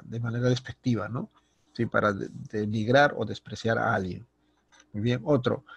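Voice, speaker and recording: A man's voice: mid-range voice, creaky, husky, no echo. A man with a Latin American Spanish accent teaching a spelling lesson, reading out example words and often checking in with his class. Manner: lists example words slowly, stressing the sounds. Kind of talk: recorded online spelling lesson.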